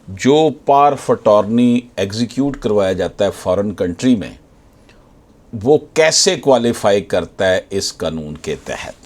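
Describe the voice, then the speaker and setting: A man with a Pakistani accent delivers a legal lecture. His voice sits on the low side, and his pace is very slow. He is deliberate, moving between reading formal text and explaining it as an advocate would. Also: a little mellow. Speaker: advocate explaining case law.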